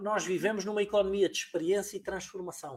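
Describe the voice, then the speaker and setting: This man's voice sits at a high pitch. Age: 40s. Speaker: business speaker and consultant. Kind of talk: live-streamed business podcast chat. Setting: live stream.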